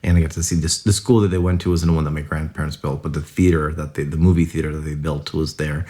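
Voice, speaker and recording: Speaking fast in a mellow bass voice with a steady tone, a young adult man from the United States rambles about his family as a podcast guest. It's casual interview storytelling, packed with "like"s.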